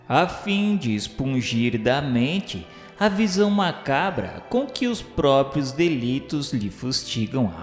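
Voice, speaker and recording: A man narrating a radio novel in a solemn, formal, declamatory manner. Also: medium pitch. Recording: echoey hall reverb with music behind. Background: music.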